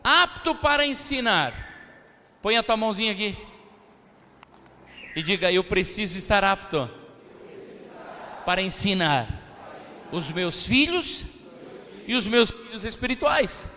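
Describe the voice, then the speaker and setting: High, animated Brazilian pastor preaching. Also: male voice, a little slow, long pauses. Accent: Brazilian Portuguese. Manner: preaching with call-and-response, acting out church members' voices. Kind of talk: sermon. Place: church sanctuary, long reverb. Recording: hall reverb of a church service.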